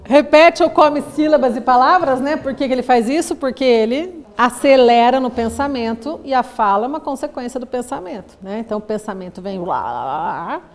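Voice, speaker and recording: A Brazilian psychologist addresses an audience in a lively lecture. Her voice sits somewhat high for a woman. She slips into quoted voices to act out scenes and laughs through her asides. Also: fairly quick, few pauses, faint music behind. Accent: Brazilian Portuguese. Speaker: psychologist giving a talk.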